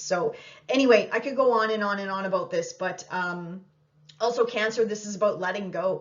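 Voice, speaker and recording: Speech comes at a moderate pace with noticeable background noise. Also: woman. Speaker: astrologer. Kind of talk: horoscope forecast monologue. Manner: casual, conversational.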